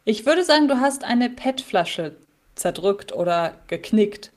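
A woman's voice: mid-range voice, lively intonation, a little slow, darkish tone. A woman co-hosting a podcast in casual chat, retelling a radio-play episode with many fillers. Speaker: podcast co-host.

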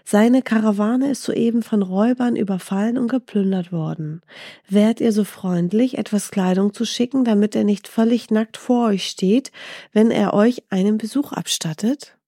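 A woman voicing a small, clever talking gazelle in a storybook, speaking softly and persuasively. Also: mid-range voice, moderate pace, dry recording, studio quality, close to an everyday voice. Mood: courtly. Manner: soft, gently persuasive.

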